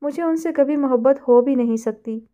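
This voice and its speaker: A woman's voice: sits high, phone-quality sound, natural voice. A woman voicing a defensive, earnest young heroine in a storybook reading.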